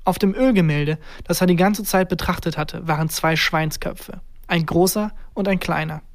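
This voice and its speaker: A storyteller reading a scripted first-person story in a measured, unhurried way. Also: medium pitch.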